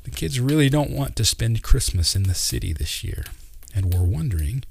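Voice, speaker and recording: A man's voice: fairly low pitch, big pitch swings, moderate pace, gravelly, a little hiss or hum. A man doing an earnest, polite grown man.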